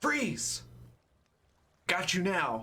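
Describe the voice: A raspy, gruff, put-on character voice with audible echo.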